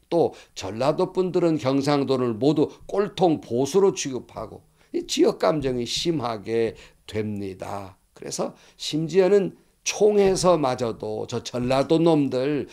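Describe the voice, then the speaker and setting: A middle-aged male pastor delivers a sermon in an earnest, storytelling way. He quotes people's words aloud as he goes, with a voice of ordinary pitch for a man. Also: dark tone. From Korea.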